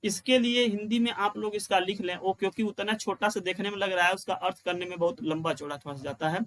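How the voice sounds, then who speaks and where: A man's voice: high-pitched, steady tone, a bit bright. A male teacher giving an exam-prep grammar lesson, explaining step by step, repeating key lines and asking questions he answers himself. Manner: chants rules in a slow sing-song.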